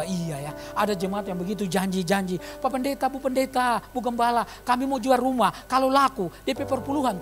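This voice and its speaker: A man in his fifties preaching a sermon in a church, telling stories and swinging from quiet asides to loud calls. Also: high voice. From eastern Indonesia. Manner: animated storytelling, swings from quiet to shouting. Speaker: pastor. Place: church hall. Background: music.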